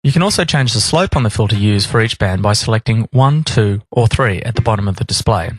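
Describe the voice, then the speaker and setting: A man reading scripted instructional narration in a measured, explanatory manner. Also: lowish voice, animated, slight background noise. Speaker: tutorial narrator.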